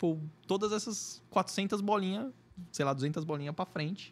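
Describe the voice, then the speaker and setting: This is a normal speaking voice. The intonation is lively. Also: man, very clean recording, silent background. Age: 40s. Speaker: firearms and airsoft instructor. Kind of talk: casual chat.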